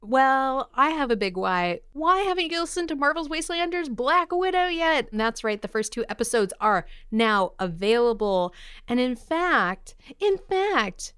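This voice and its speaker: Female podcast host, smooth clear voice, dry close sound, upbeat and chatty promo delivery. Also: high-pitched, sing-song, moderate pace, fairly bright tone, no echo. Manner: chatty, enthusiastic, playful. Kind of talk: casual upbeat promotional chat.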